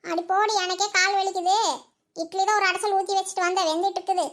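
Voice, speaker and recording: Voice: very high-pitched, little pitch movement, fast talker, a bit bright. A voice actor playing a bossy, scolding old village mother-in-law in a cartoon. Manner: scolding, nagging. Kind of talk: cartoon voice acting.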